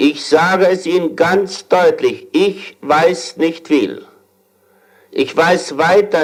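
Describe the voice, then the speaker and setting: Here a man is talking. His pitch variation is ordinary. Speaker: spiritual healer giving a public lecture. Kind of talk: sermon-like lecture to an audience.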